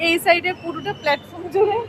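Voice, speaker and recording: A woman vlogging on the spot outdoors in a city and metro station, complaining in an animated, exasperated way. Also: very high-pitched, rapid-fire, crowd noise, background noise. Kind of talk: on-the-spot vlog talk.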